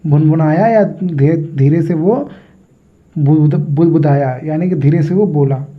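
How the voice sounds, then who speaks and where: A male teacher explaining a story line by line. He reads the English slowly and repeats words to drill them. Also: fairly high pitch, husky. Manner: reads English lines slowly, then explains at length in Hindi. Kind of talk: classroom-style explanation of an English text. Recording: dull lo-fi recording.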